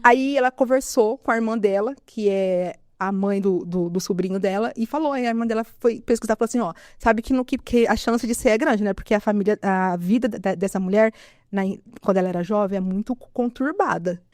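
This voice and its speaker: A woman's voice: mid-range voice, fairly quick, no echo, clean studio sound. A Brazilian woman telling a personal testimony in an interview, acting out what others said as she goes. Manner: animated storytelling, quotes others' speech. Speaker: guest sharing testimony.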